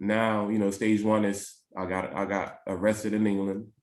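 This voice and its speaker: A man with a New York accent speaks in a fairly low pitch. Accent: New York American. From US Northeast, New York and Connecticut. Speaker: former prisoner. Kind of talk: interview podcast.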